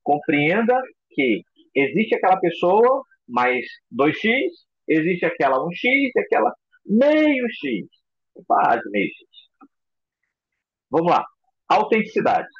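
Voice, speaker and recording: A man teaching a recorded psychoanalysis lecture in an expressive way, acting out example voices. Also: high-pitched, unhurried, breathy edge, no room sound, muffled recording. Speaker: psychoanalysis instructor.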